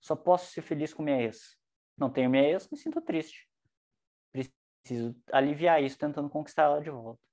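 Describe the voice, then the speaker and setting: A man giving an online psychology lecture, lively and joking, with shifting intonation. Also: a little high, brisk.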